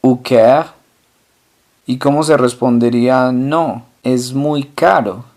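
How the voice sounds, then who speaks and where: A male teacher at an unhurried pace, working through drill questions and answers. He says each example word slowly and often twice. His pitch sits at an ordinary middle level. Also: steady tone, a little mellow. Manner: poses questions, then answers slowly and deliberately, repeating example words. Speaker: language teacher. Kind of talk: slow language lesson with drill questions.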